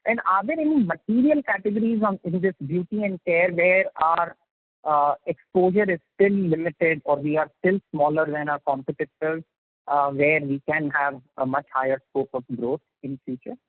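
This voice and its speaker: A male caller asks polite, formal questions on a conference call. His voice is fairly high and rough-edged. It comes over a thin telephone line. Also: normal speed, dry recording. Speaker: investor caller. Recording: dry, thin phone line.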